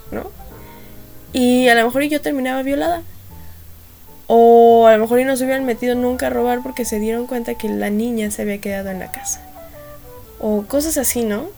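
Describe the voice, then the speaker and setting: A woman's voice: a little high, vocal fry. A young adult woman with a Mexican accent hosting a podcast, telling stories in a chatty, slangy way and acting out what people said. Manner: chatty and slangy, acts out quotes, laughs at her own jokes. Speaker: podcast host. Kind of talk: casual storytelling monologue.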